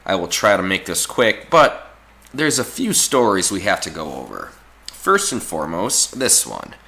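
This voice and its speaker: A man hoarse from a cold giving opinionated, informal political commentary in an emphatic, repetitive way. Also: sits low, pushed and bright.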